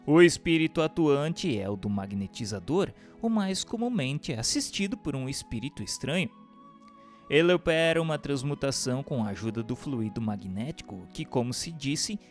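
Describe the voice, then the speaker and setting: A Brazilian man delivers scripted narration in a formal, instructive manner. His middle-register voice moves through wide, lively intonation while instrumental music plays behind him. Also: medium pitch. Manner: formal, measured, didactic. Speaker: narrator reading a religious treatise. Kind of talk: scripted audiobook narration for radio.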